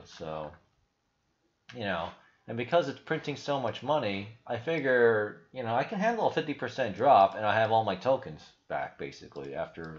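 A man's voice: fairly low pitch, lo-fi sound. A young man hosting a crypto video, talking casually over his screen share and thinking aloud with many fillers and restarts. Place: indoor room.

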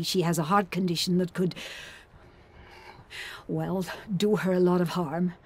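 Low-voiced, bitter elderly woman. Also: breathy edge. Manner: martyred, disapproving, querulous. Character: bitter, self-pitying elderly American mother-in-law. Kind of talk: audio drama acting. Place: studio booth. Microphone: studio condenser with pop filter.

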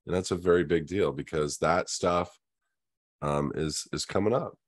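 In a webcam video call set indoors with a virtual Q&A backdrop, a middle-aged host gives an earnest monologue of opinions. He speaks at a moderate pace in a low-pitched voice, frequently beginning his words again.

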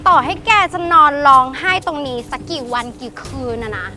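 A woman's voice: high-pitched, lively intonation, brisk. A woman playing a spoiled, mean stepsister who insults and taunts in a petulant way. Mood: snide. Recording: music underneath.

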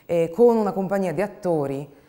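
A woman, speaking reflectively and pausing to find words as she explains her artistic work in an interview. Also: lowish voice, expressive, warm tone. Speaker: actress and theatre group co-founder. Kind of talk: interview monologue about own artistic work. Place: dark indoor studio, seated.

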